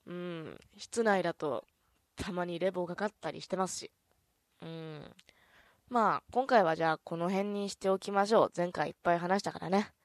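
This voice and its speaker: Soft-spoken woman host with a stuffy nose. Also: lowish voice, normal speed, dry recording, clean studio sound. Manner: soft, easygoing, chatty, with many "un" fillers. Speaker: radio host. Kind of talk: casual radio chat.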